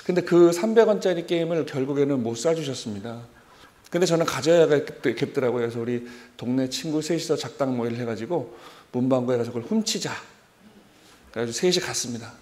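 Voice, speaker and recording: Animated storytelling preacher, a man in his forties. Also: medium pitch, a little fast. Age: 40s. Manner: animated storytelling, acting out remembered dialogue. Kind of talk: storytelling sermon.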